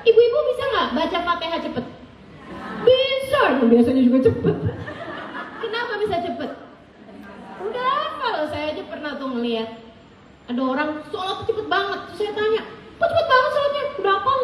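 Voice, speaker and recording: Woman preacher, high voice, middle-aged, animated storytelling, laughs often, echoey room. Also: fairly quick, pauses often, a crowd in the background, background noise. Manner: animated, laughs often while telling anecdotes. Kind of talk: storytelling sermon. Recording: echoey room, distant mic, faint ambience.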